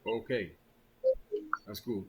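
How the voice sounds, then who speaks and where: A man's voice: on the low side, steady tone, takes it slowly, darkish tone, husky. A man hosting a casual online interview, chatty and friendly, often tossing in the word "man" while he asks his questions. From Bahamas. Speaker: host.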